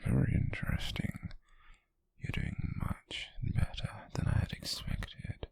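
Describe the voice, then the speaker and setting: Man playing obsessive British male stalker, breathy close-up whisper, very slow lingering pace, menacing tenderness, ASMR roleplay. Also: a little mellow, dry recording, natural voice. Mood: hunting, playful menace. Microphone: very close, dry microphone.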